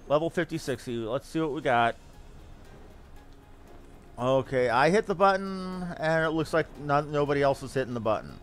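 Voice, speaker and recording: Male game streamer, fairly high voice with animated swings, casual running commentary over music. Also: normal speed, pauses often. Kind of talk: casual live gaming commentary.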